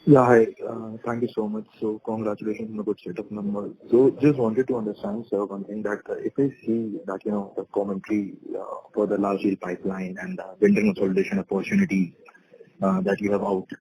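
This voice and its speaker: A man's voice: fairly low pitch, flat delivery, fairly quick, dark tone, low-quality recording. A man asking questions as an analyst on an earnings conference call.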